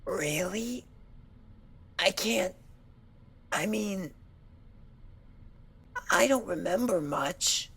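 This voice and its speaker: A woman voicing a timid, anxious, sickly young female pony, soft-spoken and hesitant, in an audio storybook reading. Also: medium pitch, animated, full character voice. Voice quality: breathy, husky whisper-prone voice. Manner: hesitant, halting, apologetic.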